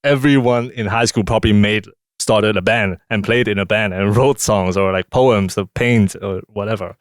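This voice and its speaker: A young man from Hong Kong, a musician chatting in a studio interview, talking in a relaxed, halting way with many fillers. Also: on the low side, no room sound. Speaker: musician guest. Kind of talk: casual interview chat.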